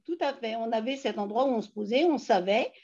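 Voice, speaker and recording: Speaking fairly quickly in a fairly high voice, a French feminist activist in her fifties recounts her life during a relaxed video-call interview at home in her living room. Her storytelling is emphatic and animated, packed with fillers, heard through a laptop webcam mic with dull, lo-fi sound.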